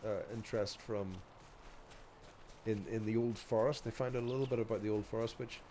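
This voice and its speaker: A man's voice: fairly low pitch, steady tone, brisk, warm tone, a little hiss or hum. A man with a stuffy, nasal voice from a cold, rambling hesitantly as he hosts a walk-along video, with many ums and restarts. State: stuffy nose from a cold, coughing. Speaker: video host.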